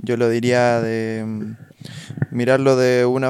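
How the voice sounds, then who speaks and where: A man's intonation stays mostly level while he talks very slowly. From Chile, Santiago. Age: young. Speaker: rapper. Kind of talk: casual chat.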